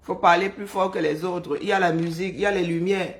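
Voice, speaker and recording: Her pitch is fairly low and her tone steady, but her voice is hoarse and weary as she talks to her live-stream audience in a Cameroonian French accent. Chatty and teasing, she greets each viewer separately and fills gaps with humming and slow sighs.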